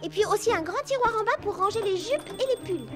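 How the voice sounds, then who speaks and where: A woman voicing a cheerful, kind, organised young girl heroine in a children's cartoon, expressive and earnest. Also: very high-pitched, quick pace, over loud music. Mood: dreamy, focused. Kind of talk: animated children's cartoon dub.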